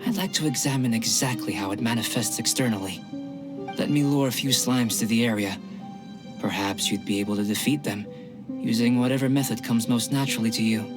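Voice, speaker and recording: A man voicing a calm young male alchemist in a game, measured, clinical and politely detached. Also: medium pitch, lightly acted. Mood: composed. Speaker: game character. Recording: game audio with music behind.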